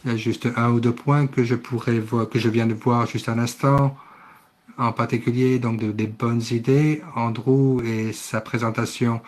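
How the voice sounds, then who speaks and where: A man interpreting a conference session live, speaking haltingly and often correcting himself. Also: mid-range voice, steady tone. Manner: halting delivery with self-corrections. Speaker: simultaneous interpreter.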